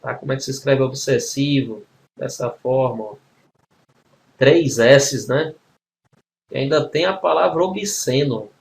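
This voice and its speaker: A man's voice: mid-range voice, unhurried, vocal fry, pauses often. A man teaching a grammar exam-prep lesson, explaining spelling rules step by step and checking in with frequent tag questions.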